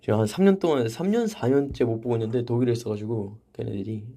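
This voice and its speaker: A young man talks casually into a livestream, relaxed and chatty. He reads out viewer comments and answers them at an easy pace, in a voice of middling pitch. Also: quick pace. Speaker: idol livestream host. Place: vocal practice room.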